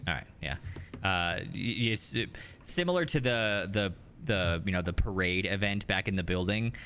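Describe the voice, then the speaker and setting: A man's voice: low voice, expressive, normal speed, fairly bright tone, a little hiss or hum. A man casually running a tabletop game as game master, conversational and improvised.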